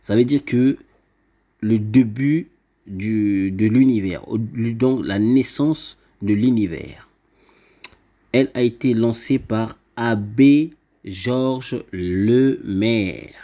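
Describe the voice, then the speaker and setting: A man explaining a writing system he invented to viewers, pointing at a screen and talking haltingly with many fillers and restarts. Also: fairly low pitch, highs cut off. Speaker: self-styled teacher presenting his invented script. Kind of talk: informal explanatory talk over a screen.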